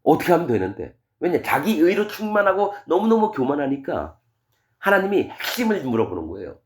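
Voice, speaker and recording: A male pastor preaching a sermon, reading verses and retelling them in plain, casual speech, full of rhetorical questions. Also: fairly quick. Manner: animated, wide swings in pitch and loudness. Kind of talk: expository sermon reading scripture.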